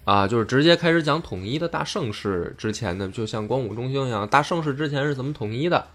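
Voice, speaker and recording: A man hosting a casual history podcast, explaining deliberately and often rephrasing himself. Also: mid-range voice, lively intonation, fairly bright tone. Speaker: podcast host.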